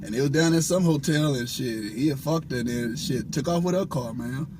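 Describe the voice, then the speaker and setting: A man's voice: medium pitch, brisk, noisy background. A man telling casual stories as a guest comedian, slangy and profane, often laughing and acting out what people said. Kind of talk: animated casual storytelling with acted-out quotes.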